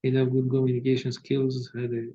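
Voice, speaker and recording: A man with a low, soft voice giving hesitant but direct feedback as an exam tutor over a video call. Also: completely flat delivery, brisk. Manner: hesitant, many fillers, corrective and direct. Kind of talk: online tutoring feedback session. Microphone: laptop on a video call. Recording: dull lo-fi video call audio with faint hiss.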